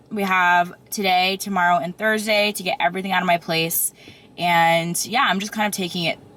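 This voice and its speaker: A woman talks against noticeable background noise. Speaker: lifestyle vlogger. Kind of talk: casual vlog.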